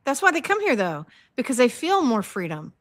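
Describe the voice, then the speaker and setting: A woman co-hosting a political talk show, agreeable and quick to chime in with short replies. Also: a little high, sing-song, a bit bright. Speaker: co-host.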